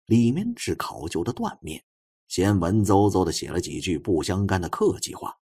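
A man narrates a suspense audiobook in a low, husky voice. His delivery is expressive and lively, with pitch that moves widely. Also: moderate pace.

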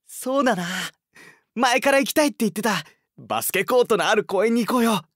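A man's voice: very high voice, expressive, a little fast, fairly bright tone, dry recording, clean studio sound, heavily acted. A man voicing a cheerful, boastful young boy, bouncy and eager, anime-style. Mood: excited. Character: cheerful, excitable boy bragging about basketball. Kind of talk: anime-style dramatic acting.

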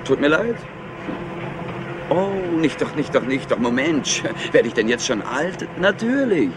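Glib clever nephew, excitable, animated pitch, crime radio drama, clear background noise. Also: male voice, measured pace. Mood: excited, glib. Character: clever, slightly overexcited nephew of a rich family. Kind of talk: German crime radio play acting.

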